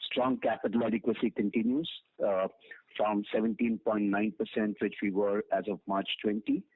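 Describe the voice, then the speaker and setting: A man's voice: fairly low pitch, steady tone, normal speed, no echo. A man with an Indian accent giving a formal financial briefing as a finance executive, reading out figures matter-of-factly with hesitations. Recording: narrow tinny phone conference line.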